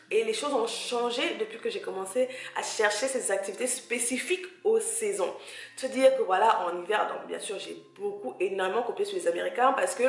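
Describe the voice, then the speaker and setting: Speaking directly to her listener, a podcast host raised in Cameroon and living in France offers encouraging advice in a casual solo episode, pausing as she hunts for words. The voice is mid-range and fairly bright, and the recording is reverberant.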